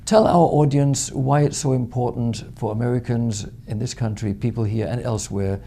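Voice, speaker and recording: Male TV interviewer, dark gravelly tone, measured questions. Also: mid-range voice, steady tone. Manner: measured, poses long framing questions. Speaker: TV show host.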